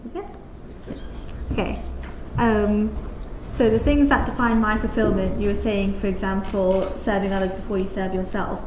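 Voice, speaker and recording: A woman's voice: medium pitch, fairly even intonation, normal speed. Woman moderating a Q&A in an echoey room. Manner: questioning, clarifying. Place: lecture room with audience. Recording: echoey room with background noise.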